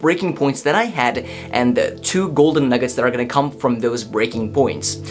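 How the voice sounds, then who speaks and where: A man talking at a very fast pace, fairly high-pitched for a man, with lively intonation and noticeable background noise. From Turkey. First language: Turkish. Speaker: YouTuber and language learning teacher. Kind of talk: casual vlog tutorial. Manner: casual, filler-heavy.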